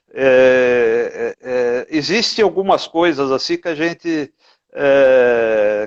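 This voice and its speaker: A man with a fairly high pitch uses ordinary pitch variation, recorded with a dry, close sound and no echo. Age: 60s. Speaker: writer and literature professor. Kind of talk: interview conversation. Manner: halting, many fillers and restarts.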